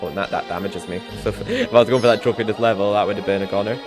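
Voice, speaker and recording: A man's voice: lowish voice, rapid-fire. A young man chatting casually as he livestreams a game, rambling and laughing to himself. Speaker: gaming streamer. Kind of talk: casual gameplay commentary. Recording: game music playing underneath. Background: game music.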